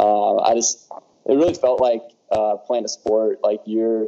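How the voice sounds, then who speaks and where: Here a man speaks with an American accent. His voice has a medium pitch and a dark, mellow tone. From US Midwest, Ohio (Columbus). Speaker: military pilot. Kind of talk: interview.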